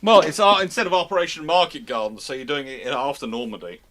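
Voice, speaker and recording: A man's voice: a little high, fast, a bit bright, dry recording. A man hosting a casual live history question-and-answer talk, thinking aloud in a conversational way and posing questions to himself. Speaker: host, naval historian.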